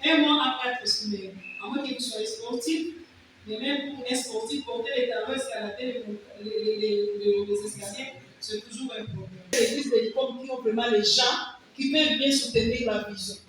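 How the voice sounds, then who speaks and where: A woman's voice: fairly high pitch, steady tone, normal speed, a bit bright. A woman whose first language is Kiwari, earnestly answering examiners' questions at length, often restarting her phrases. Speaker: student defending a thesis. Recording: echoey hall, distant mic, faint noise.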